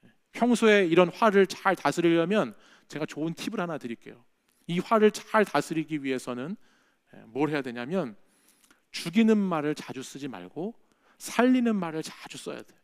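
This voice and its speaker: A male pastor delivers a conversational sermon in a church, speaking in a fairly high voice. He keeps checking in with the listeners as he goes. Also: lively intonation, moderate pace. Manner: conversational preaching, frequent "예?" checks with the congregation. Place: church sanctuary.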